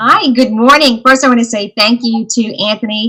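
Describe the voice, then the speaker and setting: A woman speaks with a bright, sharp tone. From Brooklyn, New York. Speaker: artist. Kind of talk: panel discussion. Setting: video call.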